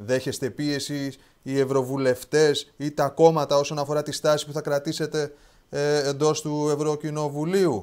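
Against a quiet background, the speech moves at a moderate pace with monotone, flat intonation. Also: man. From Greek island. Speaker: TV host. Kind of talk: interview. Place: studio. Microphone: lapel.

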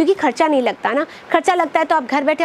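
With light background noise behind her, a woman speaks at a moderate pace. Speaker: presenter. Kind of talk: promotional shop tour talk. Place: shop.

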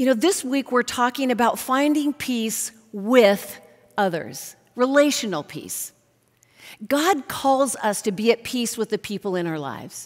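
Against a quiet background, a woman speaks at a high pitch with lively intonation and a fairly slow pace. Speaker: preacher. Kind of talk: sermon. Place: stage. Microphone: headset.

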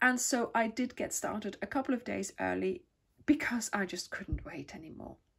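A woman against a quiet background. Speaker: crochet channel host. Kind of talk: casual craft vlog chat. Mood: cheerful, chatty.

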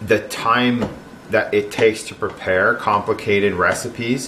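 Light background noise behind a man's voice. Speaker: home cook vlogger. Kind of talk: tutorial. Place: kitchen. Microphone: camera far.

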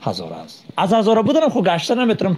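A man speaks at a very fast pace. There is light background noise. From Afghanistan, Hazara; Afghanistan. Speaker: live stream host. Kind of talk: heated debate. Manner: loud. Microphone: phone near.

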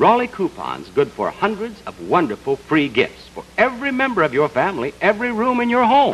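The speaker has an American accent. Noticeable background noise runs underneath. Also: man. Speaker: game show host. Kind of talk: live TV commercial read. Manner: upbeat.

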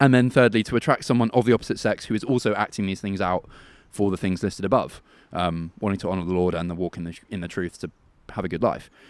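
Very fast and fairly low in pitch, a man speaks with an English accent and ordinary pitch variation. The recording is very clean, with a silent background. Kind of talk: casual Bible talk monologue. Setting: outdoors in garden. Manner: fast talker.

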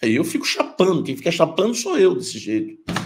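A man talks at a moderate pace. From Brazil. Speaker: sports journalist. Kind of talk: casual commentary monologue. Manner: animated, complaining tone. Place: studio.

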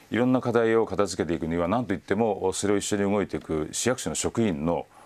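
Lively in intonation, a man speaks at a very fast pace. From Kanagawa, Japan (Odawara); Kanagawa, Japan. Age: 60s. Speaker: mayor. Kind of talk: live TV interview. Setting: TV studio. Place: studio. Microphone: lapel.

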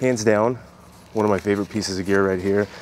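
Against noticeable background noise, a man speaks in a fairly low voice, the sound dry with no echo. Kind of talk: casual gear review vlog. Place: garden.

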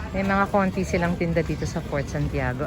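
The woman's fairly quick delivery plays out with music in the background. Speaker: travel vlogger. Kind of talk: casual vlog chat. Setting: outdoors, touring Intramuros. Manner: chatty, enthusiastic.

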